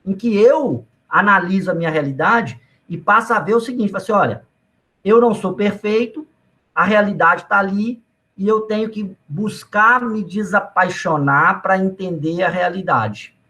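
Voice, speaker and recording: High-voiced man lecturing casually. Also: moderate pace, sharp tone. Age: adult father of young children. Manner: conversational, uses personal anecdotes and frequent asides to students. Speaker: economics lecturer.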